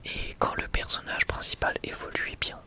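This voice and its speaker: A person whispering softly and casually in an unscripted, hesitant ASMR presentation. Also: moderate pace. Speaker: ASMR video creator presenting a manga collection.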